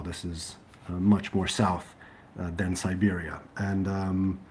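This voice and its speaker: Slow, mellow man chatting live. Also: lowish voice. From Serbia. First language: Serbian. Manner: hesitant, many ums and restarts. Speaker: livestream host. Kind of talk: casual live chat reading comments.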